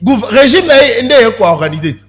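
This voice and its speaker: A man's voice: extremely high pitch, very animated, fairly quick. A man in a heated TV studio debate, pressing his point and repeatedly asking for the floor. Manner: insistent, repeats pleas for the floor, mixes French and Lingala. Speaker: panelist.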